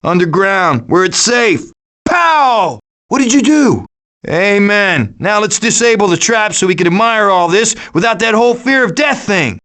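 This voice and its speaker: This cocky raccoon hero from an animated video game has a high male voice that leaps around in pitch, unhurried and exaggerated. He's a scheming, adventurous wisecracker with a glib, theatrical delivery. He starts out wry and confident, then turns excited and rallying.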